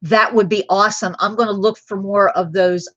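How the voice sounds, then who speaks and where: A woman's voice: mid-range voice, fairly even intonation, normal speed, a bit bright, no echo, lo-fi sound. A woman hosting a live jewelry sale, chatting casually and drifting into personal stories. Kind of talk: casual live-stream selling chat.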